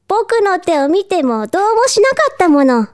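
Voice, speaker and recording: A woman voicing an innocent, cheerful little boy fox cub in a storybook reading, with bright, eager childlike chatter. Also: extremely high pitch, big pitch swings, normal speed, pitched above the performer's own voice.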